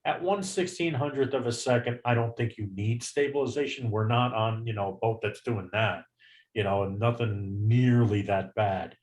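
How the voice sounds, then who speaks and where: A man's voice: on the low side, normal speed, a little mellow. A man, a photography guide, chatting casually on a video meeting and explaining camera settings in a self-deprecating way. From Florida.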